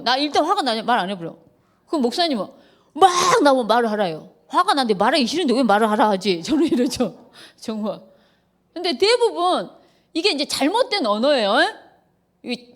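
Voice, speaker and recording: A middle-aged woman, a pastor's wife, giving a lecture at a church retreat, acting out quarrels and laughing often. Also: a little high. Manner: lively, acts out quarrels in quoted voices, laughs often.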